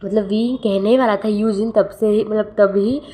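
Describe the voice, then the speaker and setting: A young woman tells a story off the cuff, rambling and stopping often to correct herself. Her voice sits at an ordinary middle pitch. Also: fairly even intonation, normal speed, dark tone. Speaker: fan fiction storyteller. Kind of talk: casual spoken storytelling.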